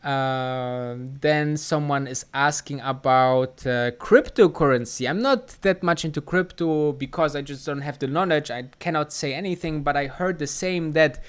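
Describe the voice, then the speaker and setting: A man's voice: a little high, moderate pace, few pauses, clean tone. A man from Germany with a German accent, hosting a casual live stream and reading out chat comments, rambling with many fillers and restarts. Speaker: livestream host answering chat.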